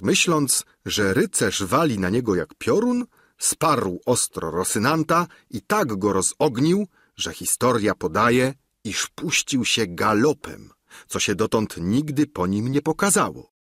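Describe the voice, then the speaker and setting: A man narrating an audiobook classic in an expressive storytelling manner. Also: on the low side, breathy edge, no echo, clean studio sound. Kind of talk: scripted narration.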